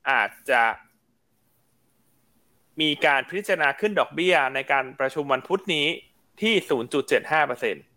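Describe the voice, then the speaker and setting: A man's voice: on the high side, animated, moderate pace, pauses often, bright, forceful tone. A man hosting a live stock market talk show, chatty and upbeat, often asking viewers to write in.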